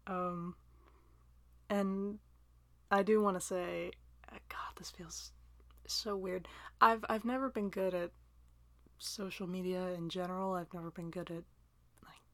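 Young woman doing a chill listener q&a, talks slow, keeps laughing at herself, goes all whispery sometimes, dry mic. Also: fairly low pitch, steady tone, no echo.

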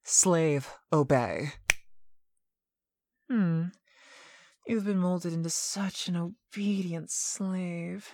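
Sweet but stern, a woman voices a domineering mistress in a scripted hypnotic piece, her delivery measured and authoritative with some whispered, breathy lines. Her voice sits on the lower side and carries a darkish tone.

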